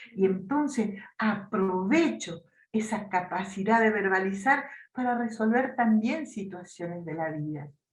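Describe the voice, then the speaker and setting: A somewhat breathy woman speaks at medium pitch and a fairly slow pace. Her intonation is lively, and her loudness swings widely. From Argentina. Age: 70s. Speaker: theatre education professor. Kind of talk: lecture. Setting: video call.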